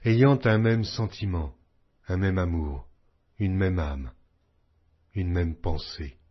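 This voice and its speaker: A man giving a solemn, scripted audiobook reading of scripture in measured, declamatory phrases. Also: low voice, husky. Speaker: audiobook Bible reader. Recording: dull, lo-fi audio.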